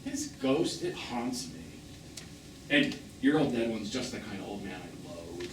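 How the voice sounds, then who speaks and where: A man's voice: fairly low pitch, animated, a little slow, recorded from a distance. An actor playing a bitter, witty middle-aged gay man on stage, with a theatrical, sardonic, wordy manner. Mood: accusing, bitter. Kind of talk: one-act stage play acting. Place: small theatre, live performance. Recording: roomy, noisy theatre recording from afar.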